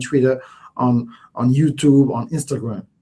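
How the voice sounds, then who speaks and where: This man has a strong French accent and a fairly high pitch. His tone is dark and mellow, somewhat breathy, and his pace is moderate. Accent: thick French. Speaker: social media marketing trainer. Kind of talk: live training webinar. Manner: halting, repetitive.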